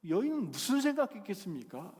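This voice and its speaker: Male pastor, sermon in a church, swinging pitch, loud emphatic build-ups, long reverb. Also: big pitch swings, fast talker. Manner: swells to loud emphatic climaxes, asks the congregation questions. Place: church sanctuary.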